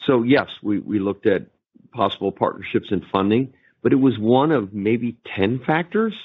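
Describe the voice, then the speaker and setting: Low-voiced male executive on phone line. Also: husky. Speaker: company executive. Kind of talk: answering analysts on an earnings call. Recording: narrow tinny conference call line.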